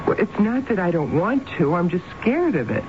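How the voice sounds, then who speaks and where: Stubborn, troubled housewife, swooping delivery. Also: female voice, lowish voice, very animated. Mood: defensive, insistent. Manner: hesitant, halting, earnest. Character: defensive, troubled middle-aged housewife, stubbornly insistent. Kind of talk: radio drama acting. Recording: muffled, noisy vintage radio broadcast.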